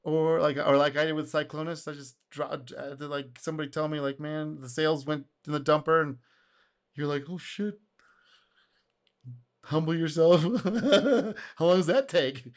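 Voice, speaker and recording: A man hosting a casual reaction video, speaking in an animated way, laughing and acting out quotes, his voice going a little hoarse. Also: fairly high pitch, normal speed. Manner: animated, exclaims and laughs, acts out customer quotes. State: getting hoarse.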